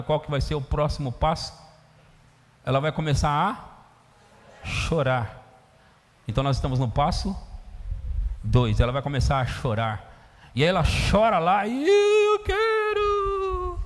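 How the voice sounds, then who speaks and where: A Brazilian man, a pastor, preaching a sermon in an animated storytelling way, acting out scenes in a church. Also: fairly high pitch. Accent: Brazilian Portuguese. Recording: echoey church hall.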